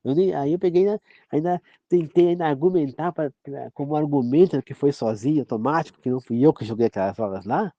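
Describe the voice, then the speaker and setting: A man's voice: on the high side, a little fast, no room sound. A man from Brazil giving an informal, rambling sermon-style talk as a preacher, often checking "entendeu?" with his listeners. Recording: dull, dry, lo-fi sound.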